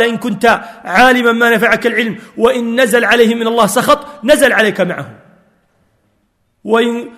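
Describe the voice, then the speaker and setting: High-pitched guy preaching a sermon, fervent, big echoey hall with long reverb. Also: a bit bright. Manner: fervent, quotes scripture and stories.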